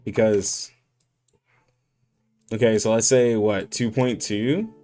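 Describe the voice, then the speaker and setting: A man's voice: lowish voice, fairly even intonation, slow, warm tone, soft background music. A man streaming games, chatting casually with heavy slang and many "like" fillers, laughing often. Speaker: gaming streamer. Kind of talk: casual livestream chat.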